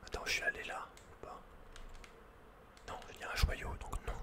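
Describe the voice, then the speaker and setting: A man whispering unhurriedly as he thinks aloud, hosting an ASMR video game playthrough. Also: normal speed. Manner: whispering throughout. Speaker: ASMR gamer host.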